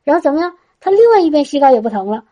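Woman, church testimony, chatty storyteller with many restarts. High, mellow voice on a dull, lo-fi recording. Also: very animated, very fast. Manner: chatty, with frequent restarts and a tag particle at phrase ends. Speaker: church speaker giving a testimony.

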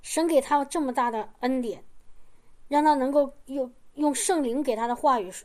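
A woman's voice: high-pitched, normal speed, a little mellow. A woman preaching a sermon in an earnest, repetitive way, often asking the congregation if they understand.

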